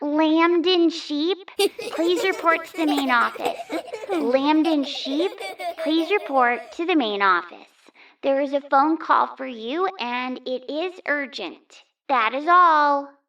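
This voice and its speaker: A high-pitched, put-on character voice moves at a fairly slow pace. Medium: read story. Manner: formal.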